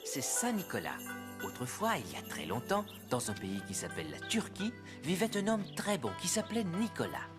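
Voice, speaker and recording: A man playing a gentle, patient father who speaks in a soothing, encouraging way in a children's cartoon. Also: fairly low pitch.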